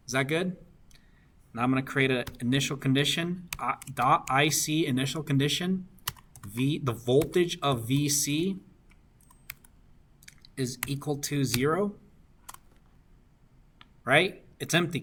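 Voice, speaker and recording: The young instructor leads an engineering discussion section on circuit homework, pausing often and asking "right?" to confirm students keep up. He speaks unhurriedly in a mid-range, fairly bright voice. There is a little hiss or hum in the background.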